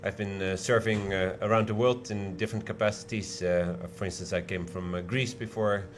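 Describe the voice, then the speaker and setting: Male interview guest, Dutch accent, deep bass register, hesitant explanatory delivery, faintly noisy room. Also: fairly even intonation. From Netherlands. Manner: halting, frequent drawn-out hesitations.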